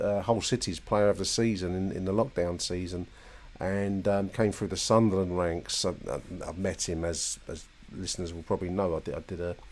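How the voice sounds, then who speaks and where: A man's voice: on the low side, a little mellow. A man hosting a football podcast, rambling thoughtfully and often hesitating and repeating words.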